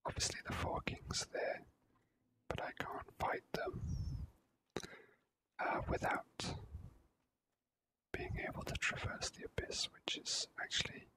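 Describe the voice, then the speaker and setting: A video game player giving whispered ASMR commentary in an unhurried, halting way, thinking aloud. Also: low-quality recording.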